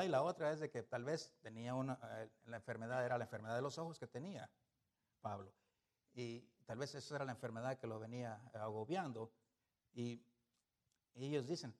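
A man preaching a sermon, animated, swinging between loud emphasis and soft asides, asking the congregation rhetorical questions. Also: medium pitch.

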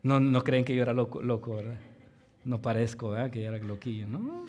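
Very animated and fairly quick, this pastor speaks in a mid-range voice, firing rhetorical questions at the congregation and repeatedly ending lines with "¿verdad?" His sermon swings from loud emphasis to near whispers.

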